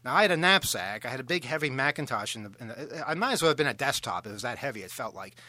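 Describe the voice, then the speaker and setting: A man hosting a radio talk show, telling a long self-deprecating story in a halting, rambling way. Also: medium pitch, lively intonation, pushed and bright, dry recording. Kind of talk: casual on-air storytelling.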